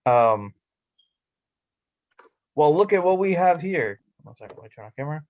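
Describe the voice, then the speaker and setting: Higher-voiced man reading wrestling promos. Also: very animated, moderate pace, a little mellow, muffled recording. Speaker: amateur actor reading a wrestler's promo lines. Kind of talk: staged reading of wrestling promos, with casual asides.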